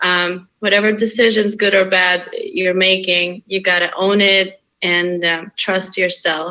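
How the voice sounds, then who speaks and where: A woman speaks in a bright, sharp tone at a medium pitch and a fairly slow pace, her intonation monotone and flat and her loudness very even. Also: hardly any pauses. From Russia, Moscow. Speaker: actress. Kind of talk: interview.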